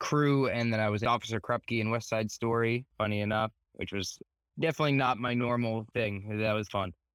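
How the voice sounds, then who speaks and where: In a very clean recording with a silent background and a dry, close sound with no echo, a man with an American accent and a plain, everyday voice speaks at a moderate pace with a fairly low pitch. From New Jersey, US (East Brunswick). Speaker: rock singer-songwriter and music teacher. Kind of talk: casual interview.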